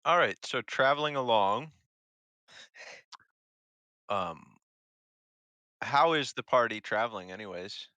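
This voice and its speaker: A man narrating a tabletop game as game master in a halting, descriptive way. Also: medium pitch, expressive, sharp tone, dry recording.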